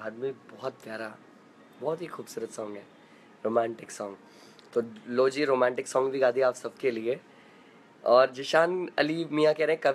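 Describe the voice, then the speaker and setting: A man's voice: medium pitch, slight background noise. A young man hosting a casual live stream from his room at home, chatting playfully and greeting viewers by name as he reads their comments aloud.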